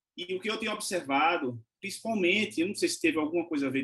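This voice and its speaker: A man with a high voice and a bright, sharp tone speaks at a very fast pace. His intonation is lively. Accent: Pernambuco. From Recife, Pernambuco, Brazil. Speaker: court officer, course participant. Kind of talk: self-introduction in online class.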